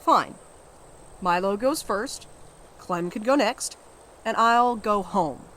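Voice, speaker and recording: A woman's voice: mid-range voice, lively intonation, slow, a bit bright. A dry, sardonic adventurer who would rather stay home. She grumbles and objects in a natural mid-range voice, with an anxious edge. It is audio drama, with some noise behind her. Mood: grudging, sardonic. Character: sarcastic, grumbling, anxious reluctant explorer named Val.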